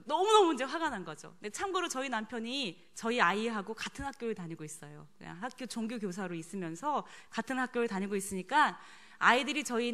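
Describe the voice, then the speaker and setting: A woman's voice: on the high side, a bit bright. A middle-aged woman preaching a sermon. She tells a personal story and asks the congregation questions.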